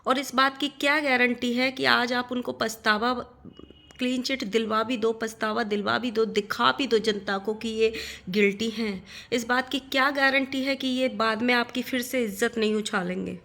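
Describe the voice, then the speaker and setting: A woman's voice: on the high side, steady tone, moderate pace, fairly bright tone. A middle-aged woman ranting in a vlog at another creator, indignant, firing rhetorical questions and repeating phrases for emphasis. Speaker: vlogger.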